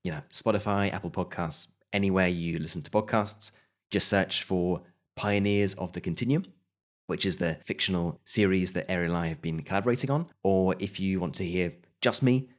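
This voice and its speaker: Man, podcast guest, very deep voice, measured and reflective delivery. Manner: measured, thoughtful, with hedges and restarts. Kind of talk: remote podcast interview.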